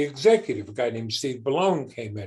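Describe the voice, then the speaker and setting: A man talks in a dark, mellow, somewhat breathy tone, his pitch swinging very widely. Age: 60s. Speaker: business founder, father of co-founder. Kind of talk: podcast interview.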